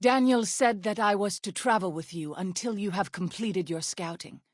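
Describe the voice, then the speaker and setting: An actress playing an earnest, devout tribal midwife and healer in a video game, speaking in formal, measured, reverent phrases. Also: female voice, medium pitch, no room sound, clean studio sound, lightly acted. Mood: solemn, urgent. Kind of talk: video game character dialogue.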